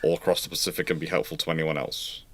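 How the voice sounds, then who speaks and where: A man giving informal expert commentary as he answers questions on a live show, emphatic and correcting, often halting and repeating words. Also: extremely low pitch, level tone, fairly bright tone, no echo. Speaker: host of a naval history live Q&A.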